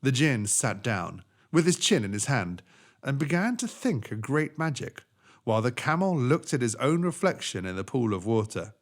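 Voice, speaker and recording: Reading from a script, a storyteller narrates a children's tale in his mid-range voice, his phrasing theatrical, expressive and deliberate.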